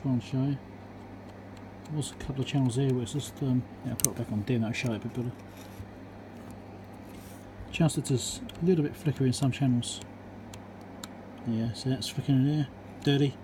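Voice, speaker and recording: A man's voice: mid-range voice, steady tone, a little fast, pauses often, noisy background. A man with a New Zealand accent giving a casual, unscripted, matter-of-fact walkthrough as he works at an indoor bench. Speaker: electronics repairer presenting his work. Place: indoor workbench.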